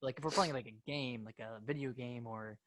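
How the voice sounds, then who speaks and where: A man's voice: medium pitch, fairly quick, fairly bright tone. Easygoing young man in podcast chat. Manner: easygoing, agreeable, short replies. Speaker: podcast co-host. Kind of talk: casual chat.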